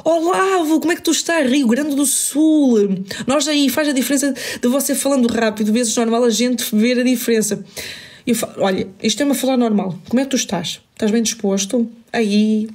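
A woman's voice: a little high, moderate pace, a little mellow. A woman with a European Portuguese accent, chatting casually on a live stream, greeting and thanking viewers by name and humming while she reads comments.

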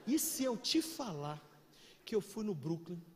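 A Brazilian man preaching a sermon, telling stories with animated swings between shouts and hushed asides. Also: high voice, measured pace. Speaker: pastor. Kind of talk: sermon with storytelling. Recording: echoey hall with faint noise.

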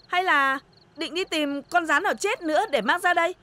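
An actress with an extremely high voice plays an indulgent older mother-in-law in a TV drama, speaking at a normal pace over heavy noise. She scolds her children with exasperated sighs while doting on her daughter-in-law.

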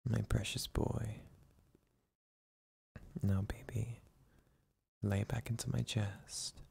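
A man voicing a doting, possessive boyfriend in an ASMR roleplay who whispers slowly to lull the listener to sleep. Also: on the low side, little pitch movement, exaggerated voice. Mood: soothing. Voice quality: whispery, gravelly, breathy. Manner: slow, soothing, coaxing hush.

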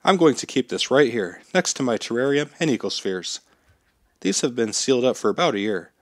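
A man in his thirties hosting a how-to channel, narrating step-by-step instructions in a steady, plain way while slightly sick. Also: medium pitch, fairly quick, no room sound, clean studio sound. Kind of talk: scripted how-to voice-over.

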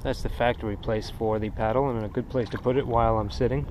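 A man's voice: mid-range voice, fast talker. A man casually showing off his kayak gear, rambling with plenty of fillers, recorded outdoors on the water with an action camera. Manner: relaxed, rambling, frequent "uh" fillers. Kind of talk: casual show-and-tell narration. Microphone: action camera mounted on the kayak. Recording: noisy outdoor camera audio with wind and water.

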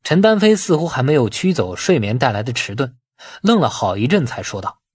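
A man narrates a novel in a husky voice with lively, varied intonation. The recording is dry and close, with the delivery of a scripted audiobook. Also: medium pitch, brisk, dry recording.

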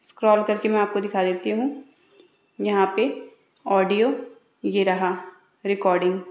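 A woman's voice: mid-range voice, fairly even intonation, a little slow, highs cut off. A woman hosting a step-by-step phone tutorial, talking in an instructional way as she demonstrates. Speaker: host of phone tutorial videos. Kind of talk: step-by-step tech tutorial narration. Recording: roomy, echoey voice recording.

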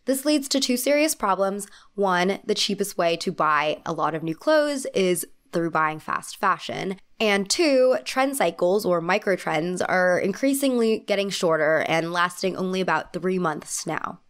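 A woman's voice: lowish voice, lively intonation, a little slow, hardly any pauses, clean tone. Congested young woman, wry video essay. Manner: wry, opinionated, emphatic asides. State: congested, slightly nasal from a cold. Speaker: fashion commentary host. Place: small indoor room with lamp and plant. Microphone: handheld mic held close.

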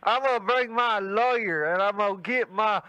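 Guy doing a sputtering old southern redneck, stammers every word, high bright slow voice. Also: no room sound, rough recording. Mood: sputtering, angry. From Georgia. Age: older. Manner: heavy stutter, repeats words. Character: stuttering old Georgia redneck man in a wheelchair. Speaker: prank caller.

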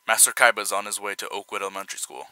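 An actor playing a dutiful personal assistant, formal, polite and grave, in an audio drama. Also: male voice, fairly low pitch, racing, pushed and bright, clear, resonant tone, no echo. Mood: grave urgency.

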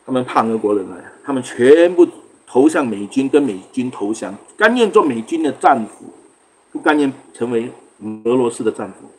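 A man's voice: medium pitch, very animated, normal speed, slight background noise. A man from Singapore hosting a casual livestream, chatting loosely, greeting viewers by name and laughing often. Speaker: livestream host.

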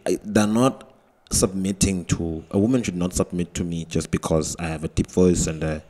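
A young man co-hosting a podcast in a small studio, talking reflectively with halting restarts. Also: sits low, fairly even intonation, mellow. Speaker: podcast co-host. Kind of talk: casual panel discussion. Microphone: studio mic with headphones.

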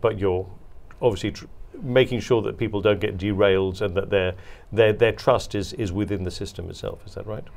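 A man in his forties interviewing a guest in a studio, framing his questions haltingly and repeating words. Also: lowish voice, fairly even intonation, vocal fry, darkish tone. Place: dark studio set at a conference.

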